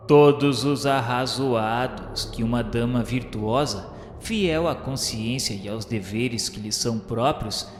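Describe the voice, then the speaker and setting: A man's voice: mid-range voice, close to an everyday voice. An actor playing a vengeful, cruel former inquisitor confessing his crimes in solemn, theatrical radio-drama narration. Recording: roomy reverberant studio, music underneath.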